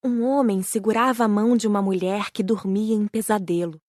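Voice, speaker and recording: A woman's voice: mid-range voice, steady tone, a little fast, a little mellow, no echo. Brazilian woman narrating, dry close sound. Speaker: audiobook narrator. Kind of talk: scripted first-person narration.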